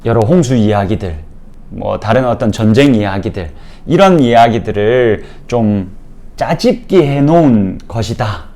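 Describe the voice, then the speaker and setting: A man's voice: fairly low pitch, creaky, dark tone. A man giving a Bible lecture to a church audience, explaining patiently and speaking straight to his listeners with frequent fillers. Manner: explanatory, addresses listeners directly, many fillers.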